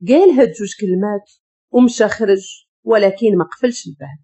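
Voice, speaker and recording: Husky Moroccan woman narrating a story. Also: mid-range voice, a little fast. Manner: expressive, dramatic storytelling.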